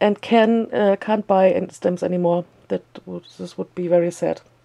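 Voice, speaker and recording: A woman's medium-pitched, dark and mellow voice in a German accent, fairly slow and fairly even in intonation. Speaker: crafter, video blogger. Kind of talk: room tour. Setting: home craft room. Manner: halting, many fillers.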